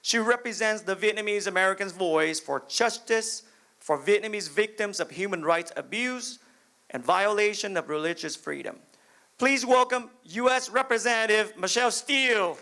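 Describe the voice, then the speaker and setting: High, bright-voiced male emcee. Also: normal speed. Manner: formal, announcing. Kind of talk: formal stage introduction.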